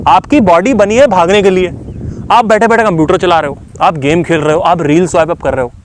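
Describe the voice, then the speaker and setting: A man's voice: fairly high pitch, noisy background. A man giving a casual motivational talk, speaking conversationally with fillers and frequent switches into English phrases. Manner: conversational, fillers like "you know".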